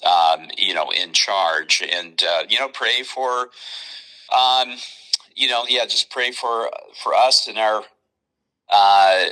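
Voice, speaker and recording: Forceful, bright-voiced man explaining casually. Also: on the low side, slow pace, rough recording. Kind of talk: casual phone conversation.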